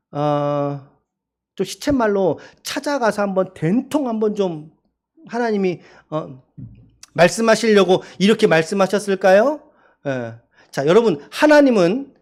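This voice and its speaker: A male pastor preaching a Sunday sermon in a church, asking the congregation questions and reading scripture slowly. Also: sits high. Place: church sanctuary.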